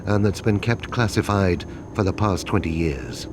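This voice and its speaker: Low-voiced, grave military officer. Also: male voice, expressive, background noise. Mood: grave, measured. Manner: measured, deliberate, dramatic pauses. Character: adult male military officer, grave, secretive briefer. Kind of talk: dramatic game cutscene acting, expository briefing.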